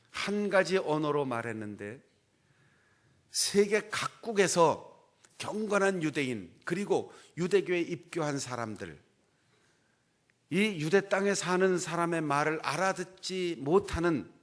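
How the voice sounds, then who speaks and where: A middle-aged man preaching a sermon as pastor, with expressive delivery that swings between loud emphasis and low, hushed asides, and a folksy, humorous touch. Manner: folksy, acts out dialect quotes for humor.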